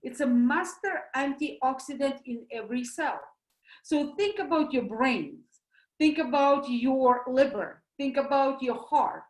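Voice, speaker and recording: A woman with a Russian accent giving an animated, emphatic health talk, explaining things through everyday comparisons. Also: high voice, measured pace, echoey room, poor audio. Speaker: doctor giving a presentation.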